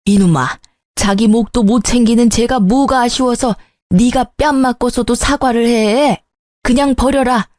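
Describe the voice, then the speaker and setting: A woman's voice: on the high side, measured pace, darkish tone, no echo, studio quality, natural voice. A woman voicing a scheming middle-aged mother-in-law who turns from indignant to fawning, fussy and wheedling.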